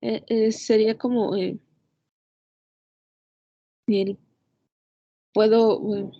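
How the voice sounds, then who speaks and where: A woman student, answering haltingly in a lesson. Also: medium pitch, little pitch movement, gravelly, mellow, dry recording, highs cut off. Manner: hesitant, halting replies.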